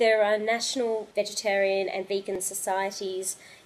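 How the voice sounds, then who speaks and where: A woman with an Australian accent, noticeable background noise behind her. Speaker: vegan food expert. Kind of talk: interview. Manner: loud.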